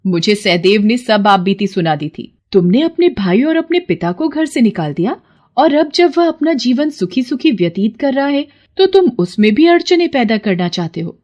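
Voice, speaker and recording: A woman's voice: mid-range voice, sing-song, unhurried, warm tone. A woman voicing a goddess of the pond who speaks kindly at first and commands with authority. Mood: scolding. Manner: commanding, scolding. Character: stern goddess of the pond, female spirit.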